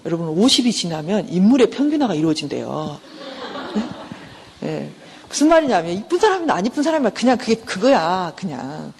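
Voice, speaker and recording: A middle-aged professor lectures on counseling in a conversational way, her mid-range voice very animated and a little mellow. She poses questions to the class, answers them, and acts out quick everyday exchanges in varied voices. The lecture hall recording has long reverb plus a little hiss or hum.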